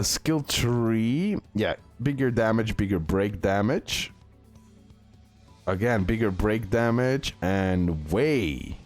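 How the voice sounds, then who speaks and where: Low-voiced man giving game commentary. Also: a little mellow. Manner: repeats himself, checks in with "okay" and "guys". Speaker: gaming video host. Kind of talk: casual unscripted game tier-list commentary. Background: music.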